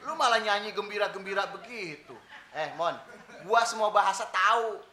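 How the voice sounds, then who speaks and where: A man's voice: high voice, moderate pace, sharp tone. A man playing a boastful know-it-all young man, teasing his friend in Jakarta slang. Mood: mocking. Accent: Jakarta Indonesian. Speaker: comedian. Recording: echoey, noisy TV set.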